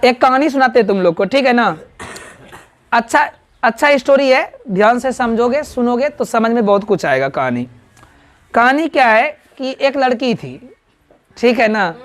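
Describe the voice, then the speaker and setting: At a moderate pace, a very high-pitched, expressive man with a Bihari Hindi accent teaches a grammar lesson to his class. He fires off questions, has students answer in call-and-response, and checks with them constantly, often asking "right?"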